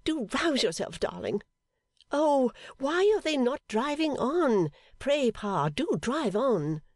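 A reader voicing an indignant, snobbish young woman who scolds in long, shrill complaints in an audiobook. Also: expressive, moderate pace, no room sound, studio quality. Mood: tearful, flustered. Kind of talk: storybook reading.

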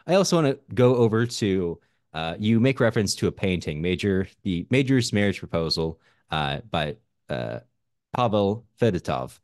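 A man co-hosting a podcast, explaining points about literature in a casual, halting conversational style. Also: low-pitched, big pitch swings, darkish tone, dry recording, clean studio sound. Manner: explanatory, halting with many fillers. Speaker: podcast co-host.

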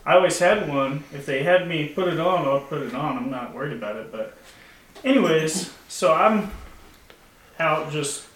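A man's voice: on the high side, fairly bright tone, far from the mic. A man telling stories in a loose, laughing way, swearing freely as a podcast co-host. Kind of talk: casual storytelling chat. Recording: echoey room, off-mic, faint noise.

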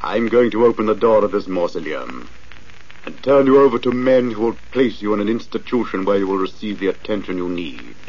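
An actor playing a mysterious avenger in an old radio thriller, speaking as an unseen voice in a measured, commanding, stern manner. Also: male voice, fairly low pitch, lively intonation, darkish tone, slightly rough. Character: mysterious male avenger posing as a voice from the shadows. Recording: muffled old radio recording, faint noise.

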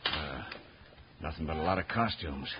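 Villainous gang boss, gruff, heavy hiss, old radio. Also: male voice, a bass voice, animated, normal speed, dull audio. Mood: impatient. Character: greedy middle-aged male outlaw leader. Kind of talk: 1950s radio western drama.

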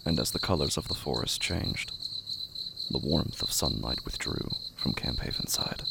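A man with a gravelly voice narrating a literary horror audio drama in measured, somber, short phrases. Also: rumbling low, lively intonation. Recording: faint background noise with night insects.

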